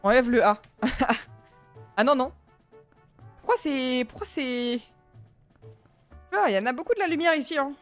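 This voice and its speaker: A woman's voice: sits high, animated, normal speed, long pauses. Chatty young woman streaming a game. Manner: chatty, rambling, talks to chat. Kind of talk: casual gaming commentary. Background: faint game music.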